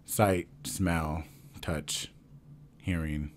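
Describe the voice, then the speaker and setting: A man talks straight to camera in an offhand, unscripted way, cursing as he goes. His voice sits low in his range. A faint background ambience hangs under the recording. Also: fairly even intonation, drawn-out words, a little hiss or hum. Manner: casual, swears freely, rambles. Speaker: vlogger. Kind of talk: casual talk to camera.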